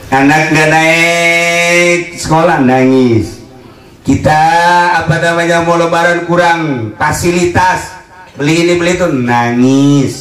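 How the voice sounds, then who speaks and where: Animated male preacher in an echoey hall. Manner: animated, jumps into high mocking voices for jokes. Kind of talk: humorous religious sermon. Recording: echoey hall, mic from far off.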